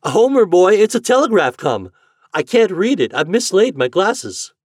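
A devoted, anxious farm mother from a storybook, as a man puts her on. The voice is lifted and lively with a husky edge, and she talks in a fretful, homespun country way. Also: high voice, normal speed, no room sound, studio quality, pitched above the performer's own voice. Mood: urgent. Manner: rustic folksy speech, fretful.

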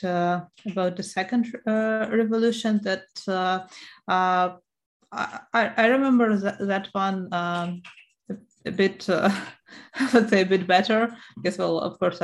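A woman in her thirties from Ukraine with a Ukrainian accent, answering interview questions in a halting way, full of "uh" and "um" fillers. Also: on the low side, steady tone. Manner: hesitant, many uh and um fillers. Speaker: interview guest.

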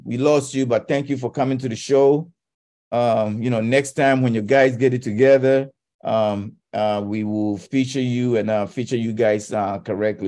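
A man's voice: mid-range voice, mellow. A man hosting a radio talk show, giving impassioned commentary with stumbling restarts.

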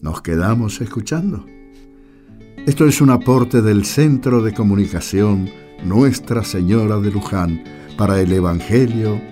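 A man with an Argentine accent narrates a religious radio programme. His voice is low and soft-toned, and he reads slowly. Gentle guitar plays behind him. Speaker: presenter. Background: guitar music.

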